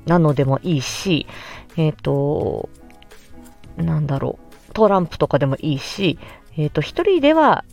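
A woman speech therapist chatting through an explanation in a casual podcast, lively and full of little hesitations. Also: lowish voice.

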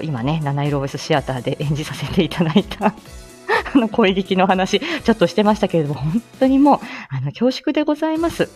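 A woman in her forties hosting a casual live stream, chatty and humble, laughing often and filling pauses as she greets listeners. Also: on the low side, a little mellow.

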